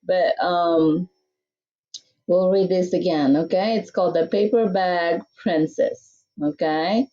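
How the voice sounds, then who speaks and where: A woman teacher talks casually to children in a fairly low, mellow voice. The recording is a bit dull and muffled. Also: fairly even intonation, slow. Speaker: teacher introducing a read-aloud. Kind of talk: informal talk to children.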